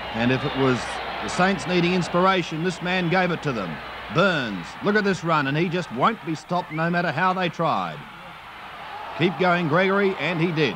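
The speaker has an Australian accent and an excited tone, with ordinary pitch variation. Noticeable background noise is present. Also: man, high pitch for a man. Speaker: sports presenter. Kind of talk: sports highlights commentary, voiceover. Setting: archive TV broadcast. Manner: fast, excited play-by-play delivery; punchy, clipped phrases with crowd-pleasing flourish. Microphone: old recording.

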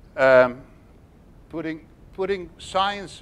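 Spoken at a very slow pace with a Dutch accent and ordinary pitch variation, the clip has light background noise. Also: man. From Netherlands, Amsterdam. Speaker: natural history artist; speaker. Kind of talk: seminar talk. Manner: halting. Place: hall.

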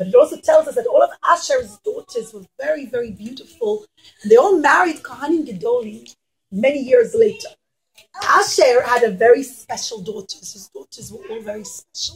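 A woman talks at a high pitch with very wide pitch swings. Her loudness swings a lot too. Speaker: preschool teacher. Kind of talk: storytelling to young children. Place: classroom. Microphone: webcam.

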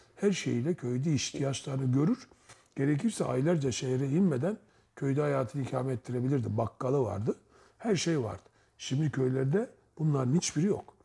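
A man with a fairly high pitch and a dark, mellow tone speaks at a moderate pace, somewhat breathy and with lively intonation, over a quiet background. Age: 60s. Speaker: agricultural council head. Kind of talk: interview. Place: office. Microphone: lapel.

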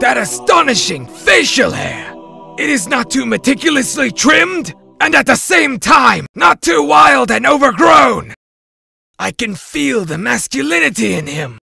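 In a high-pitched, cartoonish character voice, a man speaks at a fairly slow pace as faint music plays in the background. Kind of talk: comic overacting. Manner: arrogant, then gushing and alarmed.

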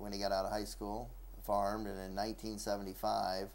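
Here a man speaks with a Midwestern American accent. His pace is fairly slow. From central Illinois, US Midwest. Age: 40s. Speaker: grain terminal owner. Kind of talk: oral history interview. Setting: outdoors at a grain terminal. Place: office. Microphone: lapel.

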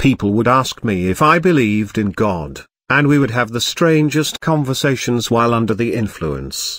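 On a very clean recording with a silent background and a dry, close sound with no echo, a man uses an unremarkable speaking voice with lively intonation at a moderate pace. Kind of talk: first-person conversion story narration.

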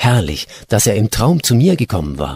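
A man with vocal fry and a weary tone speaks at a medium pitch, with a dry, close sound that has no echo on a very clean recording with a silent background. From Germany. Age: 60s. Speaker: voice-over artist. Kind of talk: dramatic literary narration, reading a first-person story aloud. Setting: studio. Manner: slow, measured, brooding storyteller delivery with weary, wistful color; intimate and expressive, swelling with warmth and longing at the closing lines.

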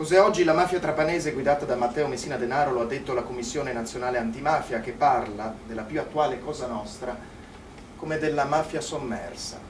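In audible room echo with light background noise, a man talks at a very fast pace with ordinary pitch variation. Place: stage. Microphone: camera far.

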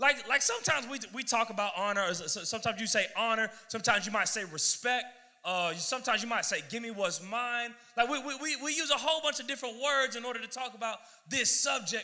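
A man's raised, projected voice at a very fast pace, with ordinary pitch variation, over a quiet background. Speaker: youth pastor. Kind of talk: sermon. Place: stage. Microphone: handheld.

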